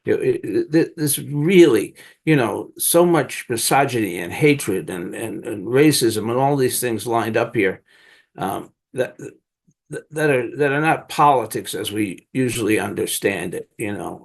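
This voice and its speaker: Older man giving a halting dharma talk. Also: medium pitch, vocal fry, husky. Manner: halting, searching, many restarts. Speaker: Zen teacher leading discussion. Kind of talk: dharma talk and group discussion.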